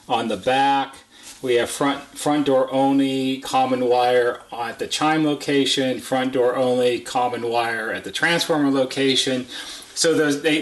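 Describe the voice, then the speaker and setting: Man explaining a product in an echoey room. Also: medium pitch. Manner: explanatory, matter-of-fact, detailed. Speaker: service technician presenting a product overview. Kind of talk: unscripted product walkthrough. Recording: echoey, roomy indoor sound.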